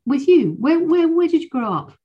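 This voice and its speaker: A woman hosting a podcast, reading a warm, encouraging introduction, then chatting with her guest. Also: high voice, sing-song, normal speed, muffled recording. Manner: warm, encouraging, many fillers in chat. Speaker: podcast host. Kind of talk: scripted intro, then casual interview.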